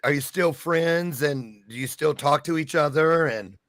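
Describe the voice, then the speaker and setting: A man's voice: on the high side, a little slow, a bit bright, no room sound, clean studio sound. A man hosting a casual interview, chatty and joking, sometimes losing his train of thought. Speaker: interview host.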